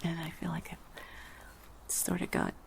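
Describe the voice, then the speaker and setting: A woman performing an intimate audio roleplay, talking softly and often whispering as if out on a walk with the listener, giggling now and then, her throat slightly scratchy and congested. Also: lowish voice, wildly swooping pitch, slow pace, creaky. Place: outdoors on a walk.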